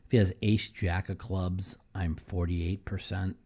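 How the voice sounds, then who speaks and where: Deep gravelly guy hosting his podcast, slow, rambly, lots of uhs. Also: little pitch movement, darkish tone. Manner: rambling, repeats words, many fillers. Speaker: podcast host. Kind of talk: casual monologue on football and poker.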